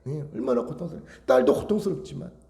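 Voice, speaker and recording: A man's voice: on the high side, big pitch swings, fast, gravelly, warm tone. A male pastor preaching a sermon, emphatic and full of rhetorical questions to his congregation.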